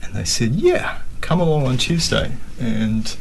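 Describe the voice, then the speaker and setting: A man's voice: mid-range voice, big pitch swings, a little slow, vocal fry, a little hiss or hum, low-quality recording. A man in his fifties with a New Zealand accent, telling stories conversationally as an interview guest. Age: 50s. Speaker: interview guest, capoeira practitioner.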